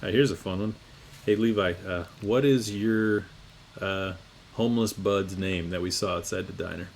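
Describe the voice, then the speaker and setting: A man's voice: sits low, fairly even intonation, moderate pace, a little hiss or hum. A man playing a tabletop game, improvising casually in informal, sweary talk. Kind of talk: casual improvised role-play chat.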